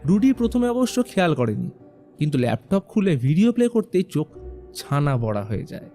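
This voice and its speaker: Man, scripted horror narration, suspenseful, dark mellow tone, lively pitch, faint background music. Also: fairly quick. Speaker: storyteller.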